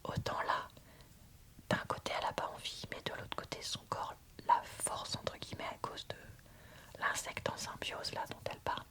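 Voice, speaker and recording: Woman, whispered ASMR review, breathy unvoiced delivery, crisp bright edge, informal and hesitant. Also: normal speed. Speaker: book reviewer, ASMR host.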